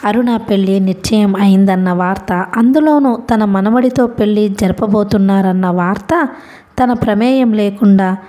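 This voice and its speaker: A woman narrating a novel as an audiobook in a steady, measured reading. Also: mid-range voice.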